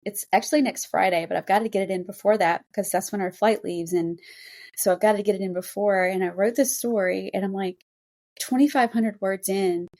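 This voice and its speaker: A woman's voice: mid-range voice, steady tone, fairly quick, darkish tone. A woman co-hosting a writing podcast, talking in a casual, candid and chatty conversational way. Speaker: podcast co-host and fiction writer.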